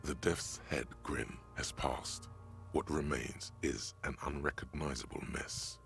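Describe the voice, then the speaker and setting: Game narrator,, low gravelly voice, faint music under it. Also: male voice, slow, a bit bright, full character voice.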